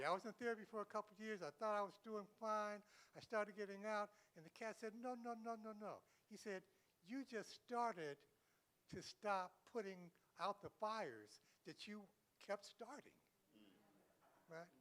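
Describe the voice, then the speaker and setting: A man speaks in a raised, projected voice with a bright, sharp tone and a high pitch, his loudness swinging widely. His pace is moderate, his pitch varies in an ordinary way, and he leaves long, frequent pauses. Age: 70s. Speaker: panelist. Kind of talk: panel discussion.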